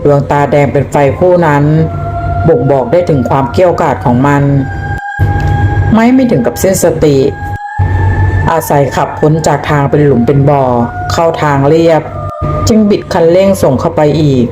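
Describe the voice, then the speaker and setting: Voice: mid-range voice, brisk. A narrator reading a scripted horror ghost story. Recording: music under the voice. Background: music.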